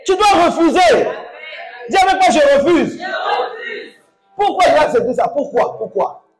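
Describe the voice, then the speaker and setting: A man preaching a sermon as pastor, exhorting the congregation with call-and-response and bursting into loud exclamations. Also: very high voice, animated, measured pace, faint music behind, a faint crowd.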